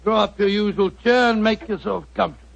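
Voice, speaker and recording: An actor playing a genial elderly doctor who tells the story, with a bumbling, chummy manner, in a 1940s radio drama. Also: male voice, high voice, a little fast, vocal fry, a little hiss or hum. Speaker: narrator of the tale. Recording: dull 1940s radio broadcast.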